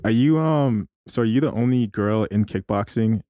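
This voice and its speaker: A man hosting a podcast interview, asking relaxed follow-up questions in casual chat on a studio mic. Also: lowish voice, moderate pace, dry recording. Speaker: podcast host. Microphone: studio microphone.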